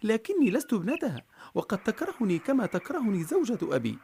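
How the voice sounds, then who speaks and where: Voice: mid-range voice, sing-song, fast, vocal fry, darkish tone, a little hiss or hum, pitched above the performer's own voice. A storyteller doing Marjana, a timid little girl. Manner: anxious, pleading.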